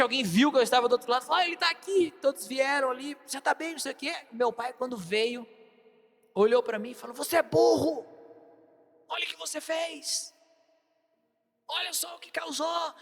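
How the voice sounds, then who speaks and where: A young adult man with a Brazilian Portuguese accent preaching a sermon, telling a personal story with emphatic shouted bursts. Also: sits high. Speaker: pastor. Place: large church hall. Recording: long hall reverb.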